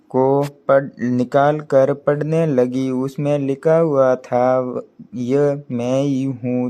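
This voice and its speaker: Slow, mellow man telling a story. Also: mid-range voice. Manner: slow, halting reading with restarts. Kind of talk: storybook narration.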